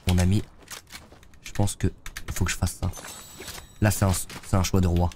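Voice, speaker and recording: There's background noise around this young adult man's low, level voice, which keeps a moderate pace. Sitting in a gaming chair in his streaming room, he streams a game live, talking slangily and loosely to chat while fighting a head cold.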